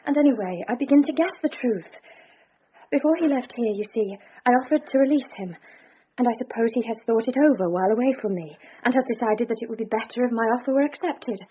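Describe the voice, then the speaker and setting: Actress as young jilted Victorian woman, breathy, higher voice, restrained and earnest; dull radio play sound. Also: quick pace, slight background noise, lightly acted. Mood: pleading. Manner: restrained, earnest, quietly breaking. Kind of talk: radio drama acting.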